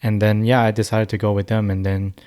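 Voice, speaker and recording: A young man in his twenties, raised in China and Taiwan, answering questions as a podcast guest in a thoughtful, halting way with many restarts. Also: on the low side, flat delivery, darkish tone, dry recording. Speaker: musician guest. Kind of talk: casual podcast interview.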